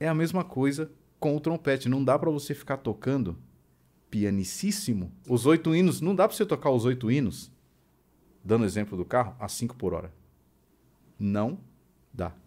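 Speaking at a moderate pace with long, frequent pauses, a man uses a medium pitch that swings very widely, his tone dark and mellow. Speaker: trumpet player and teacher; podcast guest. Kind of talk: interview; interview answer. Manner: moderate volume, conversational. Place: studio. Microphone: studio mic.

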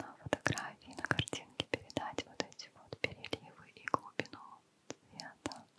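Whispering from a woman, gentle in tone, at a fairly slow pace. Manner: close, gentle whisper.

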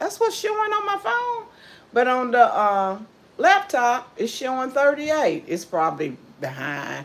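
A woman with a Southern US accent speaks fairly slowly in a warm tone, her high pitch making very wide swings. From US South. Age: 70s. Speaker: cooking channel host; home cook live streamer. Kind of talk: livestream cooking demo. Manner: warm, chatty. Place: kitchen. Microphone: phone near.

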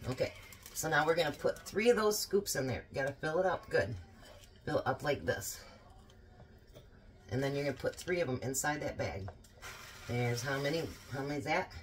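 The speech runs at a fairly quick pace against light background noise. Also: woman. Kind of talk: casual instruction to a child. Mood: warm, patient, laughing. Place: kitchen. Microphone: phone near.

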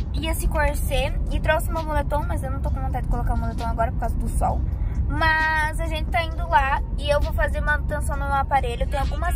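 Loud background noise runs under a dry sound with no echo. The speech moves at a fairly quick pace. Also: woman. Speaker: vlogger. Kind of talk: casual vlog chat. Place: car. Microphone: phone near.

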